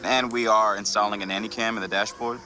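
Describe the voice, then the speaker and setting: A man's voice: fairly low pitch, fairly even intonation, fast, close to an everyday voice. Man acting young husband, sarcastic, nerdy, wry delivery, audio drama, music behind. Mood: wry, exasperated. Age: 20s. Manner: wry, teasing, exasperated. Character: Russell, sarcastic comic-book-loving husband in his late twenties. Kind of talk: naturalistic comedic audio drama.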